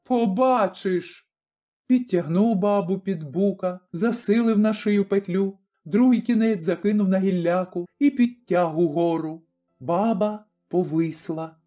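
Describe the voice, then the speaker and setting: Mellow, fairly high-voiced male audiobook narrator. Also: a little slow. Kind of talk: scripted narration. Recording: slightly dull recording, faint music.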